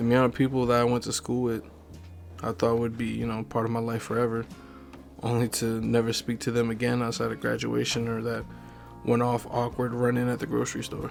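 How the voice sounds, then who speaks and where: With music in the background, a man of medium pitch speaks with fairly even intonation. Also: fairly quick pace. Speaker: gaming / skateboarding content creator. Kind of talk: casual reflective talk to camera.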